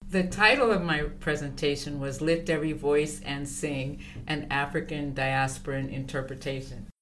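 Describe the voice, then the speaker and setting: An older woman speaking as an interview guest, answering in a thoughtful, measured way with fillers and pauses. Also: low voice, steady tone, a bit bright, a little hiss or hum, low-quality recording. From born in Liberia, raised abroad. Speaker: guest, consultant.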